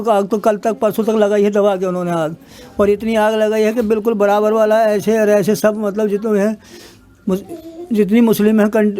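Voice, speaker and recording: A man's voice: high voice, warm tone. A man, interviewed in the street, giving an urgent, rambling account. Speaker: riot victim interviewee.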